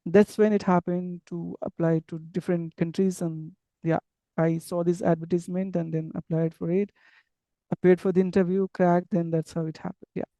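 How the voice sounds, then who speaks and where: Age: unknown. Sex: man. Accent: Indian English. Native: an unwritten tribal language. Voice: mellow, hesitant. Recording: dry. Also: sits high, flat delivery, normal speed, no echo, rough recording. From Andhra Pradesh, India. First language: tribal language without a script. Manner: hesitant, many fillers and restarts. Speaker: interview guest, English teacher abroad. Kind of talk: casual interview conversation.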